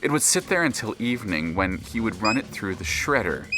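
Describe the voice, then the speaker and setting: A man playing the storyteller of an audio drama, narrating in a deliberate, dry, literary manner. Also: on the low side, sing-song, low-quality recording. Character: measured, dry omniscient male storyteller. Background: music.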